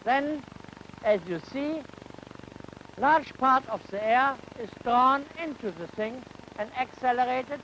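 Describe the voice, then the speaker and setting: A man explains a science demonstration at a slow, careful pace. He phrases things haltingly, like a lecturer thinking aloud. The sound is a noisy old 1950 educational film soundtrack. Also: very high-pitched, bright, forceful tone, dull audio. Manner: halting, deliberate phrasing with rhetorical questions.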